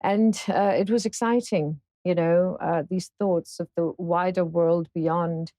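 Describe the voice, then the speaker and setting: Woman, fifties, from Singapore, lowish voice, reflective, halting, dry close sound. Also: fairly even intonation, warm tone, no room sound. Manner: thoughtful, many fillers and pauses. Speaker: interview guest, entrepreneur. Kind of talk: casual interview conversation.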